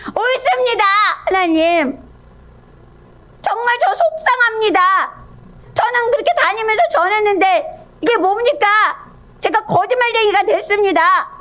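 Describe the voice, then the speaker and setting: Casting: a woman doing a sulky grown male prophet, whining and near tears, pitched very high above a normal man's voice. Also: expressive, measured pace, a bit bright, heavily acted. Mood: aggrieved. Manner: whiny, pleading, near tears.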